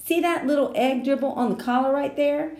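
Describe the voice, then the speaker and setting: A woman's voice: sits high, fairly quick, darkish tone, reverberant, voice pushed up. A woman voicing a dramatic, scheming little boy who talks in a theatrical, conspiratorial way.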